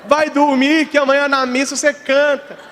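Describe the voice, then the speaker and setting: A man's voice: very high voice, little pitch movement, normal speed, a crowd in the background, noisy background, voice pushed up. A man playing a patient, indulgent old bishop, in a reverberant church hall.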